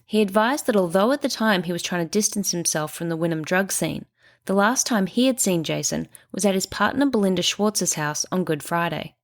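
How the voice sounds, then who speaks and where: Aussie woman doing true crime narration, kinda stuffy, lowish voice, walks thru the evidence slow and careful. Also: animated. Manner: measured, reasoning aloud through evidence. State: stuffy nose. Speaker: true crime podcast host.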